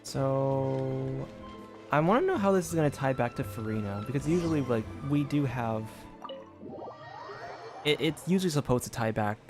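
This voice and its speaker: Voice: mid-range voice, animated, moderate pace, music in the background. A streamer giving casual, musing commentary on a game, thinking aloud a little hesitantly.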